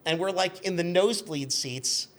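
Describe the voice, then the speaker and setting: A man in his fifties telling casual anecdotes as a guest, in an animated, rambling way, acting out what people said. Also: high voice, normal speed. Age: 50s. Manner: animated, rambling, acts out remembered quotes.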